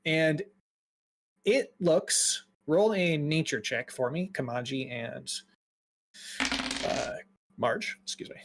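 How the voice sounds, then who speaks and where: A man's voice: a little high, expressive, slow pace, long pauses, a little hiss or hum. A man narrating a tabletop game as game master, describing scenes loosely with many fillers.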